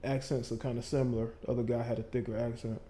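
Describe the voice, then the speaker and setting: A man's voice: mid-range voice, little pitch movement, quick pace, mellow, a little hiss or hum. A man hosting a live call-in stream, laid-back and affirming callers. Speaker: livestream call-in host. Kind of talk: casual live call-in chat.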